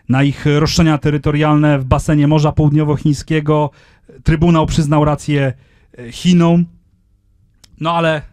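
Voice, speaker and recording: A man in his thirties giving a conference lecture into a handheld microphone, speaking in a measured way with frequent hesitations. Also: on the high side, darkish tone, no echo, studio quality. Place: lecture room, indoors.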